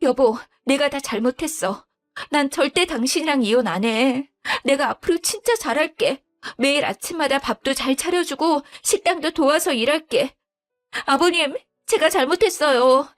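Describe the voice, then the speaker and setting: A woman's voice: high voice, normal speed, natural voice. A woman voicing a deceitful young wife who whines, stammers and begs her husband not to divorce her in an audio drama, with faint music behind. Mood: begging. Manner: whiny, pleading, stammering. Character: lying young wife, pleading and self-pitying.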